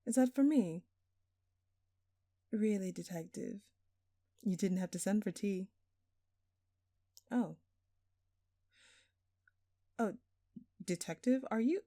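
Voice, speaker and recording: A woman's voice: mid-range voice, lively intonation, drawn-out words, pauses often, warm tone, no echo, exaggerated voice. A woman playing a smug, flirtatious jewel thief who taunts a detective with teasing, sarcastic, theatrical phrasing in an audio roleplay. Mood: mock offended. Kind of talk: scripted audio roleplay addressed to the listener.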